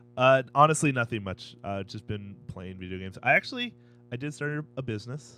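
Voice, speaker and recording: With music in the background, a man at a medium pitch speaks fairly quickly, his loudness swinging widely. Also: ordinary pitch variation. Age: 20s. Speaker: podcast co-host. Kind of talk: casual chat.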